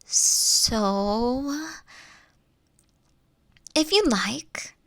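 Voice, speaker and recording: A woman acts out a caring, doting female boss in an intimate audio roleplay. She speaks slowly and affectionately, coaxing and teasing, with a creaky edge to her voice. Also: fairly high pitch, animated, sharp tone, no echo, studio quality, exaggerated voice. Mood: tender, coaxing.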